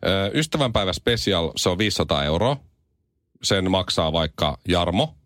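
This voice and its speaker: A man with a lowish voice hosts a morning radio show, joking with his co-hosts and building up silly ideas. He sounds animated and playful. The studio sound is dry and close to the mic. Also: dry recording. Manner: animated, spins comic schemes. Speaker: radio host.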